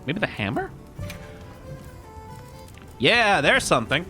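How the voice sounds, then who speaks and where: A man's voice: fairly high pitch, big pitch swings, slow, sharp tone. A man giving casual video game commentary, musing aloud in a wry way. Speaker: gaming video host. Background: faint game music.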